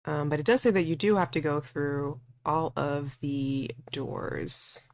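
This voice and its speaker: A woman's voice: deep voice, unhurried, dry recording. A woman playing a visual novel and commenting casually, thinking aloud in a playful, slangy, informal way. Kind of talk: casual let's play commentary with read-aloud game dialogue.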